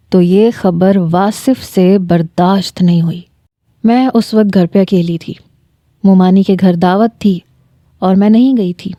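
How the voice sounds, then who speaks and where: A woman's voice: medium pitch, mellow, no echo. A woman narrating a first-person romantic story with dramatic, emotional delivery.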